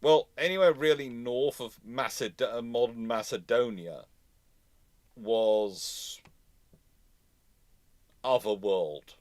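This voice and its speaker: A man's voice: mid-range voice, no room sound. A man hosting an unscripted history discussion, thinking aloud and often rephrasing as he answers questions. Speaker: host answering audience questions.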